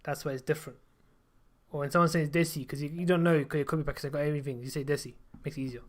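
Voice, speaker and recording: A man's voice: on the high side, steady tone. A man hosting a podcast, chatting casually with an insistent, slangy way of arguing his point. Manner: fast, insistent, slangy, says "bro" and "innit". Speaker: podcast host. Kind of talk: casual chat.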